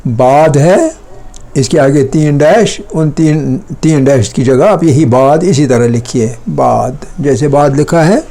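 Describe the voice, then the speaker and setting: Slow, drilling male language teacher. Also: fairly high pitch, a little mellow. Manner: repeats each word many times, patient and explanatory; checks pupils often with short questions. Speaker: Persian teacher. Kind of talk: classroom lesson, dictating and drilling words.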